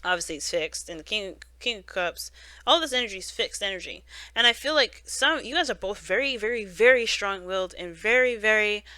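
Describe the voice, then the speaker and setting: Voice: mid-range voice, animated, fairly quick, pushed and bright, no echo. A tarot reader giving a casual spoken reading, rambling along with frequent "you know" and "right?" and many restarts. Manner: self-correcting restarts.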